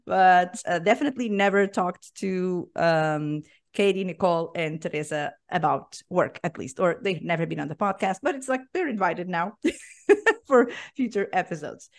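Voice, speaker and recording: A woman's voice: lowish voice, animated, moderate pace. A woman hosting a casual podcast, chatty and laughing often as she introduces her guests. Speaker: podcast host.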